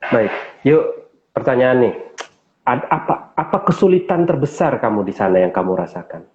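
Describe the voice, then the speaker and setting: A man hosting a casual online interview, prompting his guest with quick interjections. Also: medium pitch, sing-song, darkish tone, roomy sound. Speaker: interview host. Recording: tinny phone-like call line.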